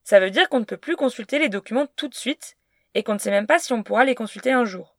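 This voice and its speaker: A woman's voice: fairly high pitch, expressive, quick pace, a bit bright, dry recording. A woman giving a scripted, explanatory narration at a close studio mic. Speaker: podcast narrator.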